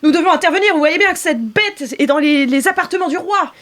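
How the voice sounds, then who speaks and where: A pompous, flustered guard captain barking out high, loud lines in a tabletop game, as a woman game master puts him on. He sounds theatrical and easily rattled. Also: animated, fast.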